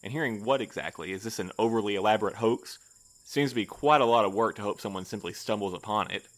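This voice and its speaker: A reserved male supervisor in an audio drama, acted by a man, with a fairly low voice. He is prim and rule-minded, choosing formal, precise words in a pedantic manner. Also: quick pace, lightly acted. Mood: measured, puzzled.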